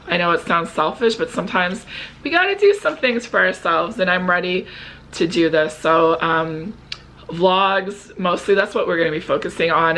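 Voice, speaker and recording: Talking casually to her viewers in a confessional, earnest way, a vlog host who is 49 and turning fifty speaks in a low voice with a fairly bright tone.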